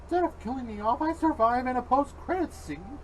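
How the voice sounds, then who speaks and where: A man voicing an anxious, excitable villain who wheedles and bargains in an amateur fan cartoon. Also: extremely high pitch, a little fast, slight background noise, rough recording. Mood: wheedling.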